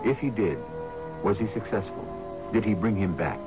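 A man's voice: on the low side, expressive, moderate pace. A man hosting a 1970s radio mystery drama with dramatic scripted narration. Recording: dull vintage radio broadcast. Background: loud music.

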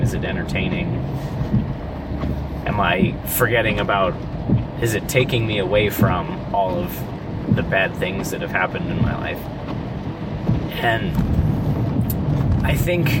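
A man in his thirties talking through a reflective personal monologue, halting, with frequent restarts. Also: deep voice. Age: 30s. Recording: distant mic with loud traffic noise.

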